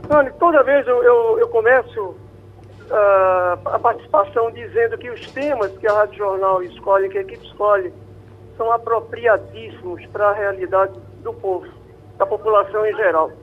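A man's voice: high voice, moderate pace. A man, calling in to a radio show. He is courteous and chatty and repeats words as he gets going. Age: 60s. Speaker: radio caller. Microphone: telephone. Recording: tinny phone line.

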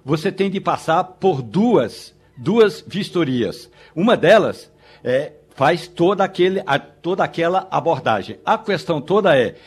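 A man's voice: fairly high pitch, expressive, measured pace, breathy edge. A man with a Brazilian accent giving political commentary as a radio panelist, emphatically restating his points.

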